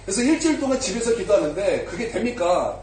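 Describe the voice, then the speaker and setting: A man's voice: high-pitched, big pitch swings, fast, darkish tone, a little hiss or hum. A male pastor preaching a sermon, telling a story and acting out the voices of the people in it, sometimes asking the congregation questions. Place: church sanctuary. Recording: echoey church hall, mic at a distance.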